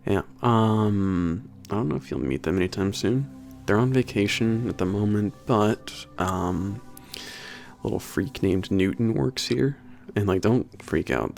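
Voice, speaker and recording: A man playing a laid-back, slightly gruff young werewolf trainer in a casual ASMR roleplay, talking in a halting, informal mumble that trails off. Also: low voice, full character voice. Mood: casual, helpful. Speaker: workplace trainer. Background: soft background music.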